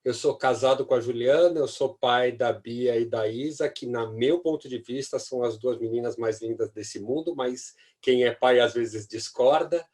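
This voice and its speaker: A middle-aged man speaking on a video-call panel at a mid pitch. He is animated and personable, with light jokes. His voice sounds like a typical video call. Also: moderate pace, few pauses. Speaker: panelist, professor and marketing executive. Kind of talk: self-introduction on a webinar panel.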